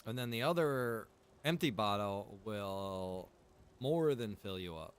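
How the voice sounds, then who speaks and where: Man, lowish voice, gaming streamer, rambling casual talk, loose swearing. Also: lively intonation, takes it slowly, clean tone. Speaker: streamer playing a roleplay survival game.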